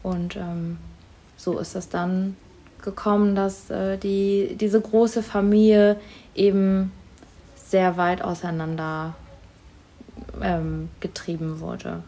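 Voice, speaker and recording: A woman whose first language is Tamil, being interviewed for a school project and answering thoughtfully with many pauses and hesitations. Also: on the low side, flat delivery, dark tone. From Germany.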